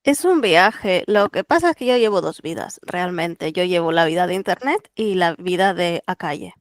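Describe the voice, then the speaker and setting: A speaker whose first language is Catalan, talking as a translator guest on a podcast in a thoughtful, explanatory way with frequent fillers. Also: female voice, fairly low pitch, lively intonation, moderate pace, no room sound, studio quality. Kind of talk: relaxed podcast interview.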